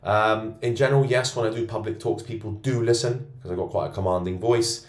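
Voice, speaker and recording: A man coaching men on self-improvement, rating himself out loud in a boastful, self-assured monologue from a co-working space. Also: fairly low pitch, steady tone, a little fast. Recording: roomy echo.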